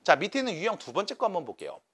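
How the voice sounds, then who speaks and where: A man's voice: high voice, huge pitch swings, racing, fairly bright tone, slightly rough. A man teaching a math class to students, coaxing and checking in with them by name.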